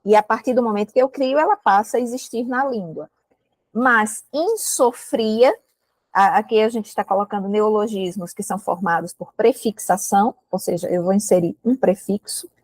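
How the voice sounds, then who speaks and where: A woman's voice: mid-range voice, fairly even intonation, fairly quick, dry recording. A woman with a Brazilian Portuguese accent teaching a recorded literature lecture to exam students, explaining patiently and often checking in with the class. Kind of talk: recorded prep-course lecture. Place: indoor room with a window, rain outside.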